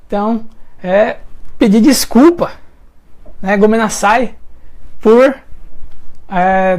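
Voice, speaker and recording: A woman from Brazil with a Brazilian Portuguese accent, hosting a casual live chat, reading viewer questions and answering them while thinking aloud with frequent hesitations. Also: medium pitch. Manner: addresses viewers directly, friendly and informal.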